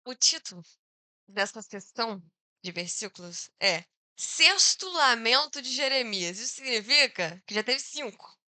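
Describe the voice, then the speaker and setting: A young adult woman with a Brazilian Portuguese accent preaching a sermon in an animated, conversational way. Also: on the high side, measured pace, no room sound.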